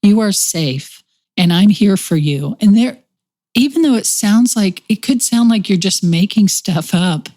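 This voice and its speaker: A middle-aged woman with a Texas accent, speaking gently and reassuringly as a podcast host in a reflective chat. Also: medium pitch, lively intonation, a little slow. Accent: Texan.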